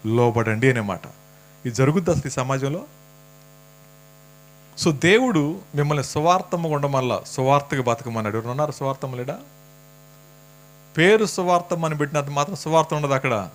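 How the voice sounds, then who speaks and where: A man's voice: a little high, animated, fairly quick, pauses often. A man preaching a sermon in a church, talking casually and teasing the congregation with questions. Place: church hall.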